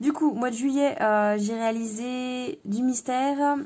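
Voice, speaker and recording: In a very clean recording with a silent background, a woman speaks in a dark, mellow tone with ordinary pitch variation. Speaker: coloring hobby YouTuber. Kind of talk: casual vlog recap. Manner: hesitant, many fillers.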